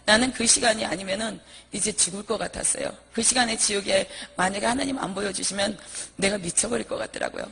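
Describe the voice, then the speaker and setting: A woman's voice: medium pitch, fast talker, vocal fry, a bit bright. A woman minister giving an earnest, vivid personal testimony, reliving her pleading prayers as she tells the story.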